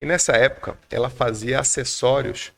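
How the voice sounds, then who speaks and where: A Brazilian man with a gravelly, creaky edge to his mid-pitched voice. He tells a long personal story in a podcast interview. He acts out each quoted line with lively shifts in delivery. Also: moderate pace. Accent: Brazilian Portuguese. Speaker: podcast guest.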